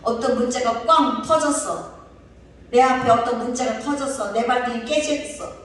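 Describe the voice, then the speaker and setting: A woman pastor giving a lively sermon, posing rhetorical questions to her congregation. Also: fairly high pitch, moderate pace. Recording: echoey hall, distant mic, faint hiss.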